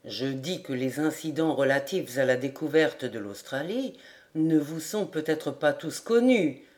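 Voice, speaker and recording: Dry old major, woman doing him, low soft and slow, teasing quietly, audiobook. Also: lively intonation. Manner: low, unhurried, understated. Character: dry, calm older male army major, quietly teasing.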